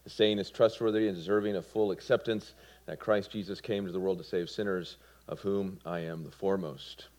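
A man in his forties from Georgia with a Southern American accent, giving his personal testimony in a sermon with earnest, halting delivery. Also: deep voice, steady tone. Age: 40s. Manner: earnest, with fillers and soft laughs. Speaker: preacher.

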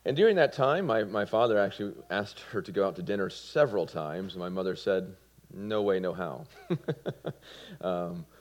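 A man in his forties from Georgia with a Southern American accent, giving his personal testimony in a sermon with earnest, halting delivery. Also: low-pitched, animated, highs cut off. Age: 40s. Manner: earnest, with fillers and soft laughs. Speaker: preacher.

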